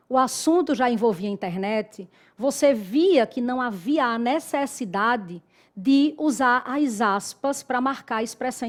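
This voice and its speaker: A woman's voice: fairly high pitch, a little mellow. A woman from Brazil, a Portuguese teacher, explaining grammar in an online lesson and checking in with her students as she goes. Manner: explanatory, addresses students directly with tag questions.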